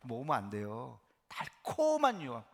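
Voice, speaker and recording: A man preaching a Sunday sermon in a church, telling Bible stories with animated acted-out voices. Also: mid-range voice, normal speed, creaky. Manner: animated storytelling, acts out biblical voices; drops to a soft hush for emphasis. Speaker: pastor. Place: church sanctuary.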